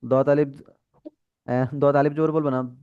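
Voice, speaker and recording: Man, Bangladeshi accent, Quran reading teacher, smooth clear voice, dry dull video-call sound. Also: medium pitch, level tone, dry recording. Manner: patient, corrects and models drawn-out syllables. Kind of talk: online class teaching Arabic letter reading.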